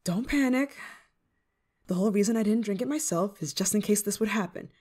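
A woman's voice: medium pitch, fairly quick, a little mellow, breathy edge, lightly acted. A woman playing a flustered, affectionate novice witch in an ASMR roleplay, speaking in a hesitant, fretful way. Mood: worried, flustered. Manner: hesitant, stammering, fretful, sighing. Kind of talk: ASMR roleplay monologue to the listener.

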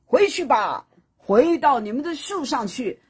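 A stern soldier-archer from a storybook , put on by a woman, proclaiming his orders in a loud, high voice. The tone is very raspy and swings widely up and down. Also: sing-song, measured pace, full character voice. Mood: commanding.

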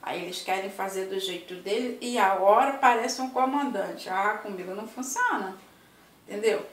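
A woman's voice: mid-range voice, normal speed, recorded from a distance, slight background noise. An older woman with a Brazilian accent, chatting tenderly and casually at home as a vlog host. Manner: chatty, tender, full of diminutives. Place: home, indoors. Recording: roomy echo.

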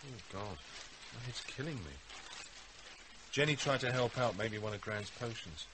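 An actor playing a brusque, flippant husband with a British accent in a radio drama. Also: male voice, mid-range voice, normal speed, noisy background, lightly acted. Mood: sardonic, irritable. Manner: sardonic, impatient. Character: impatient, brusque, flippant husband, an adult man.

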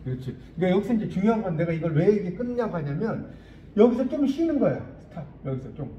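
A man teaching an English class, quizzing his students and reading English phrases slowly and deliberately. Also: sits high, roomy sound, highs cut off, a little hiss or hum. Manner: lively, quizzing students with questions.

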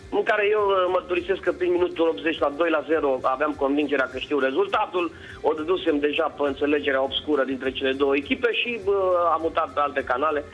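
A man's voice: a little high, a bit bright. A man, a senior sports journalist, calling in by phone to a morning show and teasing the hosts in a chatty way. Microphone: phone line. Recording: dull lo-fi phone line with music.

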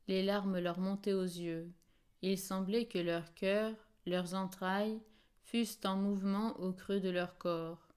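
A woman reading a novel aloud as an audiobook narrator, in a measured and expressive way. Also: medium pitch, smooth. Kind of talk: scripted literary narration.

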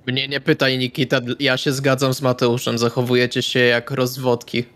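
A man playing a stone-faced, polite male vampire in tabletop roleplay, deadpan and formal. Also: medium pitch, moderate pace, natural voice. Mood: flat, calm.

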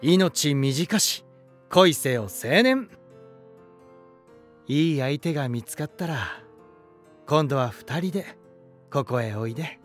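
An actor playing an elegant, romantic lighthouse spirit in a voice drama, gentle and warm, with poetic, softly teasing delivery. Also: male voice, fairly high pitch, animated, slow, pauses often. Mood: kindly teasing. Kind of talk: Japanese voice drama monologue and dialogue. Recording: music behind. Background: music.

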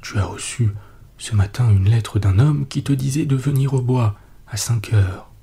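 A man voices a jealous husband consumed by suspicion, speaking in whispered role-play and hammering his questions through insistent repetition. The voice is breathy and very dark, and it moves slowly. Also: mid-range voice, full character voice. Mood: accusing. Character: jealous, suspicious husband, beside himself with anger.

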